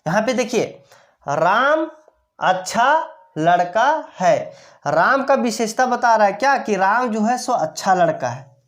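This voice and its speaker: A woman's voice: fairly high pitch, lively intonation, normal speed. A woman grammar teacher explaining step by step, asking rhetorical questions and answering them herself, repeating each key term. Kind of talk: classroom-style explanation.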